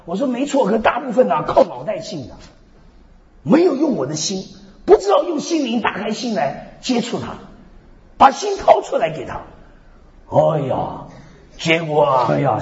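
A man preaching a sermon with lively storytelling, repeating "hallelujah, amen" again and again, swinging between loud and soft. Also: on the high side. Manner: peppers speech with "hallelujah, amen" refrains. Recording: echoey hall, dull lo-fi sound.

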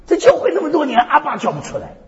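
High-voiced animated preacher in echoey hall. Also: male voice, fast, noisy background. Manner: peppers speech with "hallelujah, amen" refrains; lively storytelling, swings between loud and soft. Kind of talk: sermon. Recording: echoey hall, dull lo-fi sound.

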